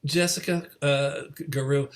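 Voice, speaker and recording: Man, mid-range voice, online host, casual moderation, halting, repetitive phrasing. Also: medium pitch, fairly even intonation. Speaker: host of an online community gathering. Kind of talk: casual moderated video-call discussion. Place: remote video call.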